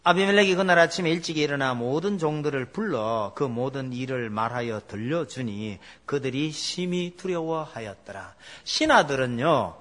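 A middle-aged man preaching a sermon as pastor, telling stories and asking the congregation questions. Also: fairly high pitch. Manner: animated storytelling, asks the congregation questions.

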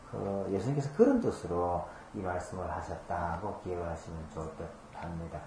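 A pastor's warm, fairly low voice carries through a roomy space with slight background noise. His sermon is conversational Bible teaching, patiently working through scripture with homely examples and rhetorical questions.

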